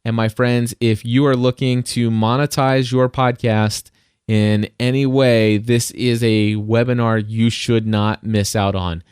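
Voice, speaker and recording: A loud man hosts his own podcast, talking through advice in an easy, rambling way full of fillers and restarts. His voice is smooth and resonant, recorded close on a studio mic. The sound is dry, with no room around it. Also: medium pitch, level tone, unhurried, no echo. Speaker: podcast host. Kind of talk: casual how-to talk. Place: home studio. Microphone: dynamic studio mic up close.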